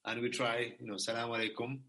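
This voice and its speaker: Man, 30s, earnest and halting, bright voice. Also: mid-range voice, little pitch movement. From Iraq. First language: Kurdish. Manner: earnest, halting, repeats words. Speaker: former exchange student. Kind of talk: heartfelt conversation.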